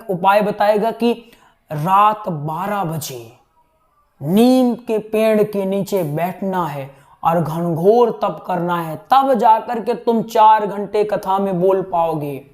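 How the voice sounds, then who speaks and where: A young man teaching would-be katha speakers in a chatty style, often checking in with his listeners. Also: sits high. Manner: conversational, keeps checking in with "right?". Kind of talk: teaching talk to students.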